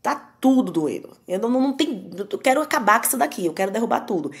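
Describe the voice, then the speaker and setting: Fast-talking Brazilian woman, candid and emphatic. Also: fairly high pitch, expressive. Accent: Brazilian Portuguese. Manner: candid, emphatic, self-mocking. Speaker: psychoanalyst guest. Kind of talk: conversational podcast talk.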